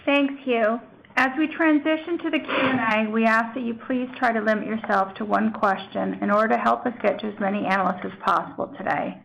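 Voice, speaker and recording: A woman's voice: on the high side, fairly even intonation, brisk, creaky, a bit bright. A woman moderating a company earnings call with scripted, businesslike instructions. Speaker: investor relations moderator of the call. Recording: dull lo-fi line, faint noise.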